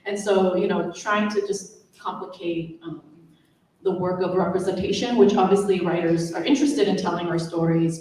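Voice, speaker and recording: A woman poet whose first language is Vietnamese, thinking aloud on a panel with many pauses and ums. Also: fairly low pitch, darkish tone. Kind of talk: live panel discussion. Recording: echoey hall, mic from far off.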